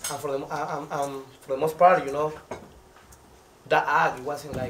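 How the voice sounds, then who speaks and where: A man with a fairly high pitch, amid noticeable background noise and audible room echo. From South America. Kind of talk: rally speech. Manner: halting, with many fillers.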